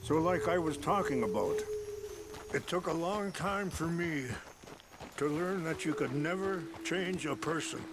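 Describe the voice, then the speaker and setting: An actor playing a calm, reflective tribal chief and father, speaking in measured tones in a video game, with music behind. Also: a little high, very noisy, lightly acted.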